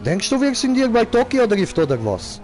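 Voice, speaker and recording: A man's voice: very high voice, sing-song, normal speed, a little mellow, a little hiss or hum. A young man playing a boastful, car-loving character who speaks in broken grammar and keeps repeating the same filler word, commenting on a game. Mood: goofy.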